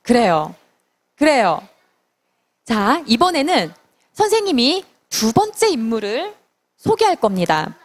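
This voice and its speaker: A Sunday school teacher, a woman, telling a Bible story to children and asking them questions as she goes. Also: high voice. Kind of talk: children's sermon.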